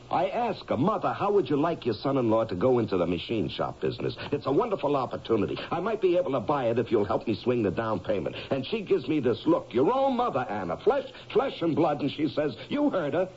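Muffled old radio recording, angry bitter ex-miner husband, voice jumps all over, keeps repeating himself. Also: male voice, mid-range voice, huge pitch swings, brisk, darkish tone, a little hiss or hum. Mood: indignant, aggrieved. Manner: agitated, insistent, repeats himself. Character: bitter, hot-tempered out-of-work ex-coal miner husband. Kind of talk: radio drama acting.

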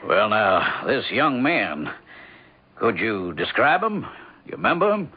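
Animated, folksy radio-drama lawyer. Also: male voice, fairly low pitch, slow, slightly rough, exaggerated voice. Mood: puzzled, skeptical. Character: folksy, businesslike small-town Western lawyer. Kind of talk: 1970s radio drama acting. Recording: narrow, dull vintage radio recording.

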